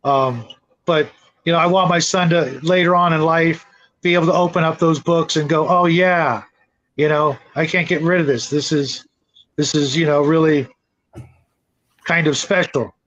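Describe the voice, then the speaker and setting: A man's voice: a little high, fairly even intonation, moderate pace, a bit bright, dull audio. A middle-aged man hosting a casual livestream chat. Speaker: show host.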